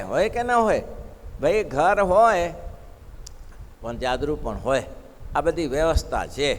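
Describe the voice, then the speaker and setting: A man preaches a devotional sermon in a fairly high voice, hammering his points home with repeated phrases. He keeps turning to the audience with rhetorical questions. The sound rings with the long reverb of a large hall. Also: slight background noise. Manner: emphatic, repetitive preaching cadence. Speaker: preacher giving scripture discourse.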